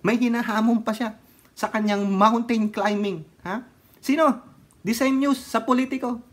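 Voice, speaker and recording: In a very high-pitched, steady, unhurried voice, a Filipino-accented man gives sarcastic, casual political commentary on his vlog. He laughs often and sings fragments of songs.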